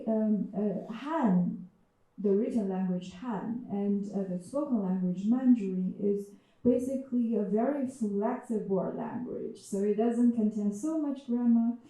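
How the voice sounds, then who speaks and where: Slow, soft-spoken Chinese woman in echoey hall. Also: medium pitch. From China. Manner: hesitant, many fillers and restarts. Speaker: writer and panel speaker. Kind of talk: reflective public talk. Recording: echoey hall, speaker far from mic.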